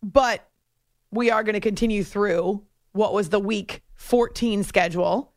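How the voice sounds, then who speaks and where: A woman hosting a sports radio show in a chatty, animated monologue from a studio. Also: medium pitch, a little slow, no echo. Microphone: close studio microphone.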